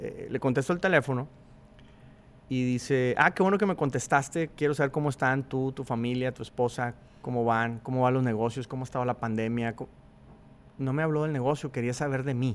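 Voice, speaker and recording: A man with a Monterrey accent talks at a fairly quick pace, his pitch medium. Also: ordinary pitch variation. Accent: northern Mexican (regiomontano) Spanish. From Mexico, Monterrey. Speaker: entrepreneur. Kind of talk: interview.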